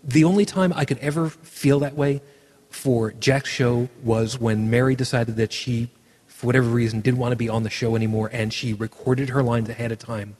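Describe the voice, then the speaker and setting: A man hosting a casual podcast chat, lively, often acting out quoted lines in other voices. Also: medium pitch, normal speed, in a large hall. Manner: animated, acts out quoted lines in shifted voices. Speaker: podcast host.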